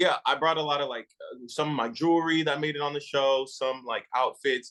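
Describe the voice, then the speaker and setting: A man with an American accent speaks at a fairly quick pace. His pitch sits fairly high. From New York. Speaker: actor. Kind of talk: casual interview. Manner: animated.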